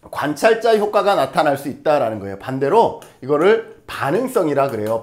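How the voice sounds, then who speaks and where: Against audible room echo, a man talks at a moderate pace with very wide pitch swings. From Korea, Jeju Island. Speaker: social welfare lecturer. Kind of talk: lecture. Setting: recorded in front of a camera. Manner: conversational, rhetorical questions.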